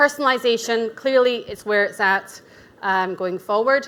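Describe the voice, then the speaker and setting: With a Scottish accent, a woman speaks at a high pitch with ordinary pitch variation. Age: 40s. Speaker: nutritional therapist. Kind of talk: conference presentation. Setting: stage with audience.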